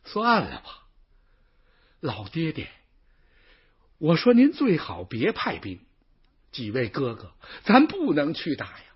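Sullen, stubborn young warrior, played by a male storyteller, quiet and husky, lo-fi sound. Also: a little high, huge pitch swings, slow, long pauses, exaggerated voice. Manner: sulky, quiet and reluctant. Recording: dull lo-fi recording.

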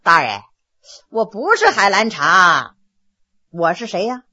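A woman's voice: mid-range voice, big pitch swings, slow, muffled recording, pitched below the performer's own voice, heavily acted. A woman voicing a brash, mocking male general who teases and laughs at his judges in a spoken storytelling. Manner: teasing, laughing, loud outbursts.

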